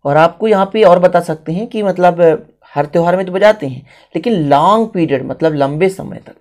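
A man's voice: high voice, normal speed, darkish tone. An Indian man teaching a writing lesson step by step, repeating phrases and switching languages as he explains each one.

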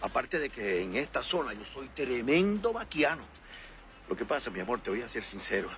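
A man's voice: mid-range voice, big pitch swings, normal speed, a bit bright. An actor playing a Venezuelan husband who insists he is not lost, talking in a soothing, falsely confident way. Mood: reassuring. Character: lost husband too proud to ask directions. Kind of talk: TV comedy-drama acting.

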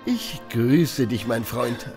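An actor playing an older, smug and patronising tattoo artist with a theatrical drawl in a German audio drama. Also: male voice, medium pitch, expressive, slow, vocal fry, music in the background. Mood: genial, smug.

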